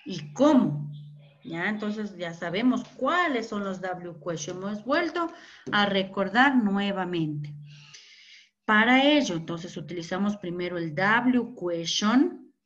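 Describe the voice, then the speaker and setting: Woman, English teacher, slow pace, muffled lo-fi recording, patient explaining. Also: medium pitch, animated, fairly bright tone. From Ecuador. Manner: explains slowly, keeps asking ¿verdad? and ¿ya?. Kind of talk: remote grammar lesson.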